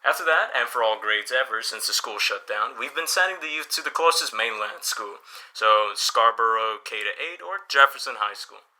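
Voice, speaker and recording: Actor playing a bright-voiced small-town editor man. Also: medium pitch, animated, moderate pace, rough recording. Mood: friendly, explanatory. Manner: chatty, explanatory, encouraging. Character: helpful small-town weekly newspaper editor, a man, easygoing boss. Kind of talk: audio drama dialogue, conversational.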